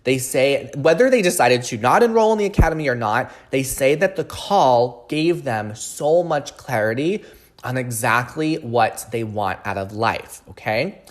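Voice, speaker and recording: Guy doing a solo coaching podcast, mid-pitched voice, earnest and emphatic, kinda promo explainer. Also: animated, measured pace. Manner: earnest, emphatic, checks in with "okay?". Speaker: podcast host and life coaching trainer.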